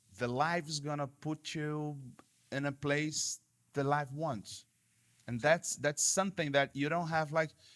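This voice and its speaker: The speaker has a non-native accent and fairly even intonation at a fairly slow pace. The recording is very clean, with a silent background. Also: man, fairly high pitch for a man. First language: Portuguese. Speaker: podcast host. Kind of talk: interview. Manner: halting.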